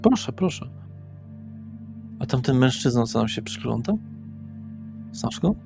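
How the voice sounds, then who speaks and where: An affable, tired middle-aged father acted by a male game master, talking in halting, repetitive phrases. His voice sits at an ordinary male pitch, with faint music behind it in a tabletop audio drama. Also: big pitch swings, vocal fry. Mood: weary, affectionate, puzzled. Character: Eryk, weary affable father working as a psychologist.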